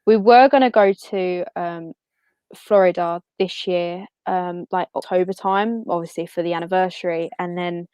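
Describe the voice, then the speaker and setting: A woman's voice: on the low side, fairly even intonation, moderate pace, darkish tone, clean tone, dry recording. A woman of about twenty chatting casually as an interview guest in a giggly, chatty manner. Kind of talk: casual chat.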